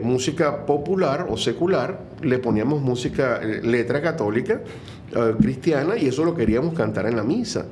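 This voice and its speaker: A man's voice: medium pitch, darkish tone, slight background noise. A middle-aged man with a Venezuelan accent, a guest speaking earnestly and reflectively in a conversational interview, with many fillers and restarts. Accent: Venezuelan Spanish.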